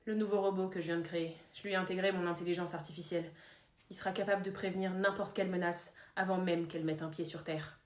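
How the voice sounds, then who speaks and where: Soft-spoken teen genius inventor, low and hushed, a woman acting it. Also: fairly even intonation, quick pace, reverberant, close to an everyday voice. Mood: proud. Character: quiet earnest young genius inventor.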